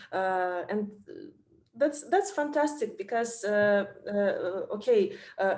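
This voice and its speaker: The speaker is a woman. She has a Russian accent. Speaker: journalist. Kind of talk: casual chat. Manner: halting.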